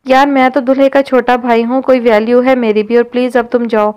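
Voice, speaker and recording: A woman's voice: on the high side, little pitch movement, a little mellow, clear, resonant tone, natural voice. A woman reading the lines of an exasperated young man in an audio novel.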